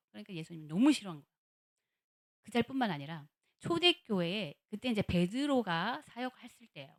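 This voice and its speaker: Animated woman lecturing a church audience. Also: fairly high pitch. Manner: animated, asks the audience questions and acts out quoted speech. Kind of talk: church lecture on counseling psychology.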